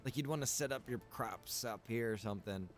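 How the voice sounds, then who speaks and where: A man's voice: mid-range voice, brisk, faint music behind. A man streaming a game, chatting casually and rambling as he thinks aloud. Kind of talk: casual livestream gameplay chat.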